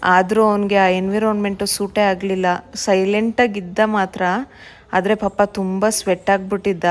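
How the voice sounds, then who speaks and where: A woman's voice: medium pitch, level tone, moderate pace, slight background noise. A young woman, a new mother chatting through a casual vlog and mixing English words into her talk. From India.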